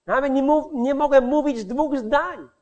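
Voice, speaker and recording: A man giving a personal testimony as a street evangelist, speaking haltingly and often stopping to search for words and restart. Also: extremely high pitch, darkish tone, muffled recording.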